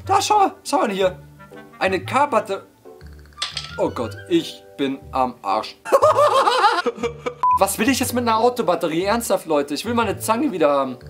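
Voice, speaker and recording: Excitable hoarse young man gaming. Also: high-pitched, moderate pace. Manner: excitable, yelps and laughs, keeps addressing viewers. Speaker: gaming YouTuber. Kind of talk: let's-play commentary. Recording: background music under voice. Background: game music.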